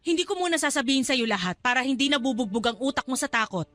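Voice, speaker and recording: A woman's voice: sits high, animated, quick pace, a bit bright. An actress playing a scheming middle-aged mother in a radio drama, coaxing and insistent as she persuades her daughter.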